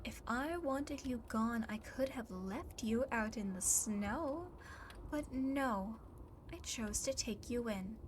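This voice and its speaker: A woman's voice: medium pitch, noisy background, lightly acted. A woman voicing a lonely, possessive demon girl in an ASMR roleplay, often dropping into a whisper, coaxing and condescending as she speaks to the listener. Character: lonely possessive demon girl, coolly teasing, faintly menacing.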